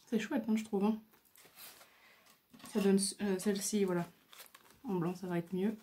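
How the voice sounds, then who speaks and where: A crafting video host chats casually in a show-and-tell, showing off her craft supplies at home while a camera mic records her. Her mid-range voice is mellow and steady in tone, and she takes her time, hesitant and full of fillers.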